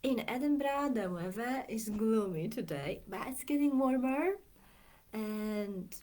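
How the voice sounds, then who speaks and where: A middle-aged woman from Poland with a Polish accent, a coach talking in a slow, reflective way that often drifts into near-whispers. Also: fairly high pitch, expressive, a little mellow. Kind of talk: reflective Facebook video talk.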